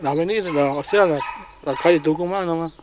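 Man, Argentine accent, fairly high pitch, halting speech with restarts, faint background noise. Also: darkish tone. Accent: Argentine Spanish. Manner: halting, many restarts and repeated words. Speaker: traffic agent interviewed. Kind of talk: casual recounting in an interview. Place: at home.

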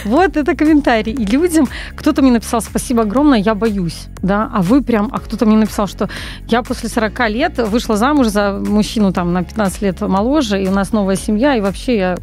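A woman in her forties, a copywriter guest on a radio talk show, telling stories in an animated way with frequent hesitations, speaking into a studio microphone. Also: mid-range voice, brisk, faint music behind. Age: 40s. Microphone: large studio mic on boom arm, wearing headphones.

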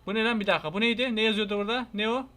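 High bright-voiced young man gaming. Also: rapid-fire. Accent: Turkish. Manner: chatty, talks to viewers, excitable yelps when startled. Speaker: gaming YouTuber. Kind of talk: casual let's-play commentary.

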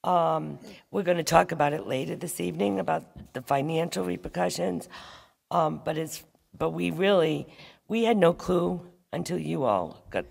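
A woman on a town council makes her case at a public meeting, firm and insistent, coming back to the same point. Her voice is gravelly and husky. It is picked up by a table mic and rings with long reverb from a large auditorium. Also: deep voice, moderate pace, a little mellow.

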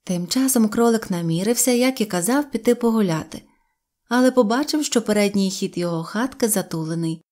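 A woman reads a fairy tale aloud as an audiobook narrator, at a middle pitch for her sex. Her delivery is gentle and expressive, shaping each sentence for listeners. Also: fairly quick.

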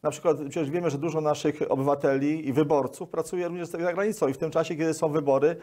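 A man's voice: fairly high pitch, fairly even intonation, quick pace, dark tone. A Polish man in his sixties answering interview questions as an official, wordy and repeating words mid-sentence, on a lapel microphone. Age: 60s. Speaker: guest, local government official.

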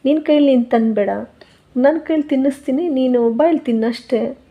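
A woman voicing a gentle young husband who coaxes and consoles his wife in a soft, preachy tone. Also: high-pitched, fairly quick, voice pushed up, close to an everyday voice. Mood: persuading. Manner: soothing, coaxing, preachy.

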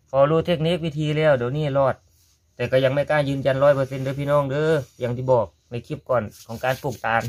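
A man with a Korat Thai accent, talking viewers through a gardening task in a casual how-to vlog and addressing them as brothers and sisters. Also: a little high. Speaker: gardening vlogger.

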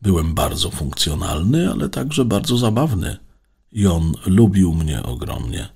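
Earnest caretaker robot, polite and modest, low and gravelly, read by a man. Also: sing-song, a little slow, darkish tone, full character voice. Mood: gentle. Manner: polite, conscientious.

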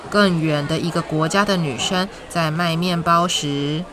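A woman with a Taiwanese Mandarin accent hosts a children's story show, reading a picture book as if to a toddler in a sing-song way, with drawn-out words and questions to young listeners. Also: low voice, steady tone, background noise. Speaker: children's storytelling podcast host. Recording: music behind the voice. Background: instrumental music.

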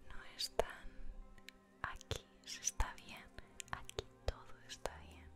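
A woman with an accent from Spain whispering an ASMR guided meditation in a soothing, gentle, unhurried manner. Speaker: ASMR creator guiding meditation. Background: music.

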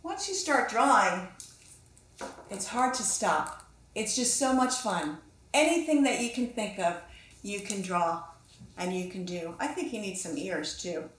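This middle-aged woman, a children's author and illustrator, leads a drawing lesson for children in a relaxed way, thinking out loud, cheering them on and posing questions. She speaks unhurriedly in a medium-pitched, expressive, somewhat bright voice. There's a faint hiss or hum, and the small room makes everything echo.

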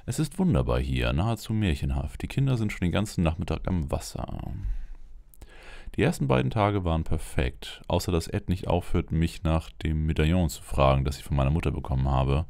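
A man plays a worried wife and mother reading out her holiday diary. The voice is very low and crackly, recorded dry, with an earnest, anxious delivery. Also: lively intonation, a little fast, creaky, darkish tone, no echo, heavily acted. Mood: content.

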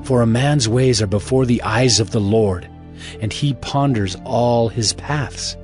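Male narrator, solemn, fatherly, mid-pitched, dramatized scripture reading, faint music. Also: a little slow, darkish tone.

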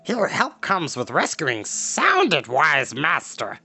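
A man voicing an eager, fawning little creature in a storybook, excitable and given to rhyming talk. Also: a little high, slow pace, gravelly, husky, faint music behind, full character voice. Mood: eager pleading. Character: eager, servile small male creature companion.

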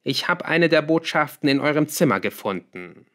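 A man voicing a sharp, defiant young male apprentice in an audiobook, asking pointed questions. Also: on the high side, lively intonation, moderate pace, pitched above the performer's own voice. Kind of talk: audiobook character voice.

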